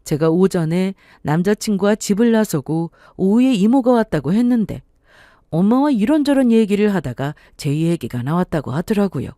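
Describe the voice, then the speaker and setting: A woman narrating a scripted first-person story in a calm, even, reflective way. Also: medium pitch, normal speed, no echo, studio quality.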